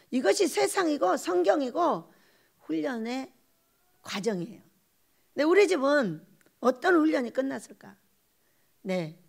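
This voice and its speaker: A woman preaches a sermon in a lively, animated way and breaks into quoted voices as she goes. Her voice sits high and has a gravelly, creaky edge. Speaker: pastor.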